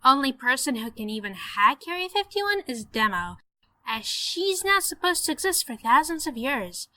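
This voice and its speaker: A woman's voice: high-pitched, sing-song, moderate pace, pushed and bright, full character voice. A woman playing a cautious, sceptical time traveller in an audio drama, precise and firm.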